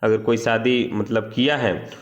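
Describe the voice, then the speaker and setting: A man's voice: on the low side, fairly even intonation, unhurried, lo-fi sound. A man giving an informal instructional walkthrough as a coaching teacher, reading out details and commenting, with frequent check-in tags. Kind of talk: informal explainer of a job notice, reading and commenting.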